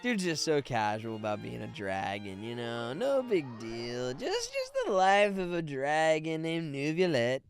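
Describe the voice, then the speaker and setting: A man's voice: a little high, big pitch swings, unhurried, few pauses, faint music behind. A man casually commentating on a game as he streams it, playful and rambling as he thinks aloud. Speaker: streamer, voice actor.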